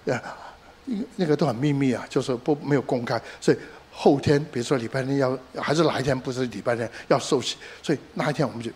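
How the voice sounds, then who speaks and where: A middle-aged male pastor preaching a sermon, animated in his emphasis, dropping English words into his talk and telling stories along the way. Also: medium pitch. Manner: code-switches with English words, animated emphasis, storytelling asides.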